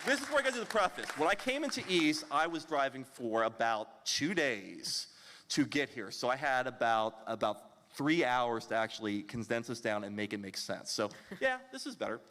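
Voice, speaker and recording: A man's voice: medium pitch, very animated, normal speed, bright, forceful tone, a faint crowd. A man giving a panel presentation at a convention, lecturing with frequent fillers and restarts. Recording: long hall reverb.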